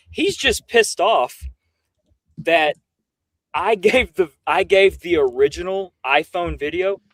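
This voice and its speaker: On a casual livestream, a man with a slightly high voice rants animatedly, recorded with no echo. He's emphatic, incredulous, and slangy, swearing freely as he goes.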